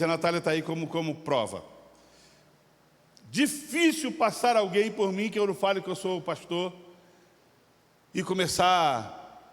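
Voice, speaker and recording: An impassioned male pastor with a Brazilian Portuguese accent, preaching in a church. His voice sits high for a man, and it carries a long hall reverb. He moves from fervent shouting to easy, conversational anecdotes. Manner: impassioned, shifting from shouting to storytelling. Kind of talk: sermon. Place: church sanctuary.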